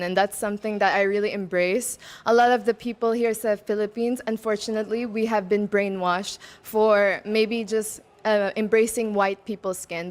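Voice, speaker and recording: A woman in her twenties who grew up in Macau, answering pageant interview questions in a bubbly way, laughing between answers and mixing in Tagalog words. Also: medium pitch. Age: 20s. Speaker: pageant candidate.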